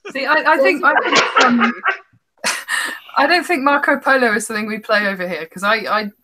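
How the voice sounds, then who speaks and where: Lady guest, slightly high voice, dry humour, noisy recording w/ clicks. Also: steady tone, normal speed, pushed and bright. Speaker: podcast guest, writer. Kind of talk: casual chat. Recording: clearly noisy line with clicks.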